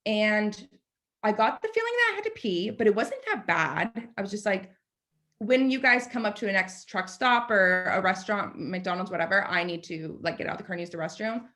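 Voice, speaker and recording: A woman in her late twenties, a podcast guest, telling a story in a chatty, animated way and filling her speech with "like.". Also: medium pitch, normal speed. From United States. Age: 20s. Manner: chatty, animated, lots of "like" fillers. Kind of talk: casual storytelling.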